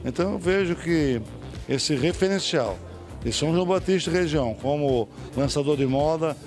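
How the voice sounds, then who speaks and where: A man in his fifties giving a measured, confident interview in a trade show hall. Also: a little high, darkish tone. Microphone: handheld mics. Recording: faint music under speech.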